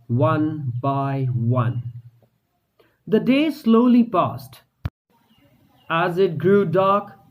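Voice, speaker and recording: Male story narrator, high-ish voice, slow and steady. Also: low-quality recording. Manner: slow, measured reading. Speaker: story reader. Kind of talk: scripted narration.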